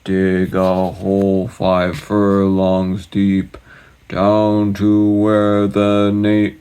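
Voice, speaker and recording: A man voicing a band of magicians, chanting a spell in slow, sing-song rhythm. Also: fairly low pitch, darkish tone, clear, resonant tone. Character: group of chanting male magicians.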